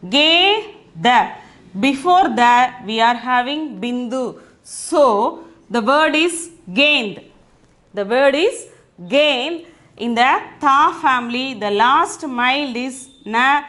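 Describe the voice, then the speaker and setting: Slow, high-voiced woman teaching Hindi sounds. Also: a bit bright. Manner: repeats each phrase twice, sounding out syllables. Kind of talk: slow classroom explanation.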